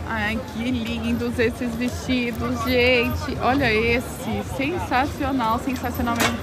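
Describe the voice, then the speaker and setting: A woman vlogging as she walks through a street market at night, chatting upbeat and asking vendors for prices. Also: a little high. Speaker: fashion vlogger. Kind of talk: walking market tour vlog. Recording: loud crowd and music behind. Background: loud crowd and music.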